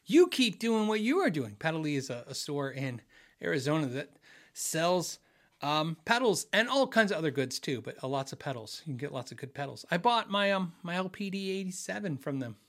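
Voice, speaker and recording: A slightly high, sing-song, somewhat bright voice belongs to a middle-aged man speaking briskly. He hosts a casual livestream from his home office, rambling and restarting often as he reads out viewer messages, with many fillers.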